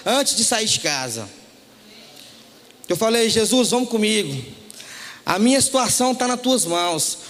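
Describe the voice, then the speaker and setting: A man's voice: sits high, a bit bright. A Brazilian man giving a sermon testimony, telling his story and acting out the dialogue, often calling the listeners "dear". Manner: storytelling, acts out dialogue, calls listeners "querido". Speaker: church speaker giving testimony. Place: church hall. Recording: long hall reverb.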